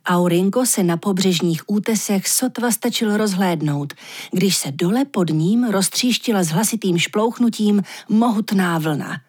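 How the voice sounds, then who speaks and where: A woman narrating a fairy tale in a calm, measured audiobook reading. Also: mid-range voice, breathy edge. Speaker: storyteller.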